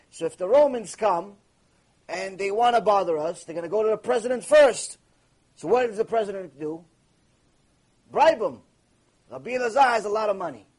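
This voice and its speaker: A man's rather high, husky voice teaches a Torah class. He keeps putting questions to the room and answering them himself, with Hebrew terms mixed into his English. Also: a little mellow. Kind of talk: lively recorded Torah lecture.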